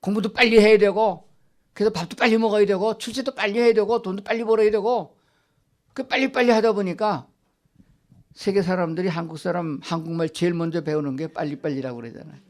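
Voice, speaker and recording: An older pastor gives a Sunday sermon in a church sanctuary, his voice a little higher than most men's. Speaking fairly quickly and a bit mellow in tone, he keeps posing questions to his listeners and answering them himself.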